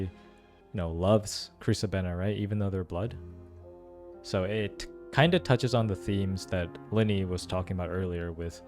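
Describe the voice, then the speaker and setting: A man's voice: deep voice, darkish tone. A man giving casual, musing playthrough commentary and analysis, repeating phrases for emphasis. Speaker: gaming streamer reacting to a story quest.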